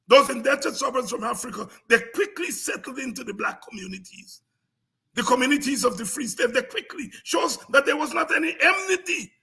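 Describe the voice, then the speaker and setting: This Guyanese man, host of a talk programme on politics and history, gives an impassioned, informal history lecture to an audience. His very husky, gravelly voice is strikingly high for a man, and he argues combatively, repeating points for emphasis to drive the lesson home. His intonation is lively, his pace fairly quick and his tone sharp.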